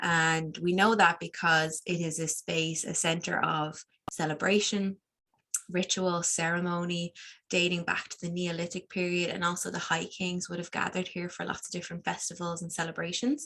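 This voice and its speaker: Speaking in an Irish accent at a moderate pace, a woman uses a fairly low pitch and a bright, sharp tone, her intonation monotone and flat. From Ireland. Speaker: energy healer and meditation teacher. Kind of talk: class introduction before guided meditation. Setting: online live session.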